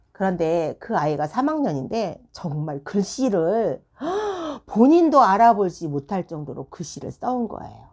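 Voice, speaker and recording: A woman who runs a tutoring room, telling a classroom story in casual advice talk and acting out the dialogue. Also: medium pitch. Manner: animated, acts out classroom dialogue.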